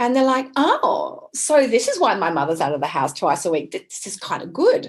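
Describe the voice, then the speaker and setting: A woman speaks with an Australian accent. Her loudness swings widely from moment to moment. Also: moderate pace. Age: 40s. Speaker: nurse and community theatre director. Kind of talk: podcast interview.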